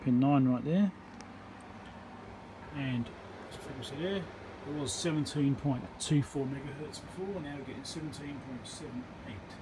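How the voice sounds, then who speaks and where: A man giving a hands-on electronics repair demonstration, thinking aloud in an informal, halting, step-by-step way. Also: mid-range voice. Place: indoor repair workbench. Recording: steady background hum and room noise.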